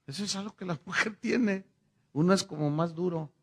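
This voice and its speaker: Gravelly, high-voiced Mexican pastor. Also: male voice, moderate pace, a little mellow. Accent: Mexican Spanish. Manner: conversational, acts out dialogue in his stories. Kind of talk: sermon with personal storytelling.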